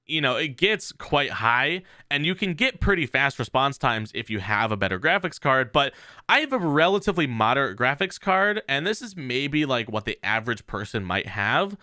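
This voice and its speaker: A man's voice: mid-range voice, big pitch swings, normal speed, sharp tone, no room sound. A man presenting a tech tutorial in a casual, conversational way, explaining step by step into a close mic. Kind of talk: casual software walkthrough.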